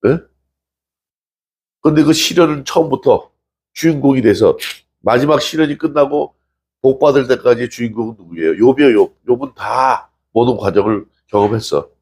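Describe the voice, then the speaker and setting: A man's voice: mid-range voice, a little fast, darkish tone, breathy edge. A male pastor preaching a sermon in a conversational way, asking the congregation questions and acting out scripture dialogue. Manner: acts out dialogue from scripture stories.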